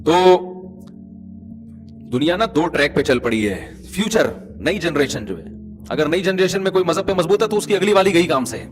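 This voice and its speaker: Animated man preaching a lively sermon. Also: on the high side, over music. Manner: animated, rhetorical, teasing the audience. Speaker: Islamic preacher. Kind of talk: conversational sermon.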